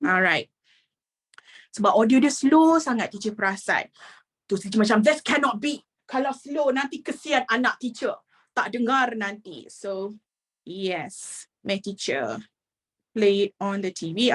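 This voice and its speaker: A woman's voice: medium pitch, lively intonation, moderate pace, husky. A woman English teacher with a Malaysian accent, coaching students for an exam and often checking that they follow. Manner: coaxing, often checks if the class understands. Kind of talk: exam-prep lesson, mixing English and Malay.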